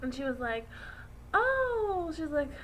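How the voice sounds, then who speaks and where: Woman at a moderate pace with audible room echo and noticeable background noise. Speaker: beauty vlogger. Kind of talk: casual talking video. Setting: at work, filming to camera. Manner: hesitant, many fillers; animated.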